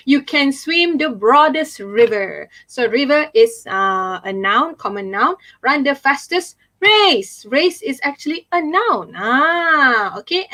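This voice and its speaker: A young woman with a Malaysian accent teaching an online English class, mixing in Malay and reading examples slowly with stress. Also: high voice, pushed and bright. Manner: chatty, fills with "okay" and "ah". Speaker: English tutor.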